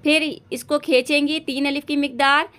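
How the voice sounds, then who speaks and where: A young woman teaches Quran recitation online in an Urdu-speaking South Asian accent, her voice high, a bit bright, and fairly even in intonation at a moderate pace. She explains patiently, often checking in with "theek hai" and drawing out sounds to demonstrate them.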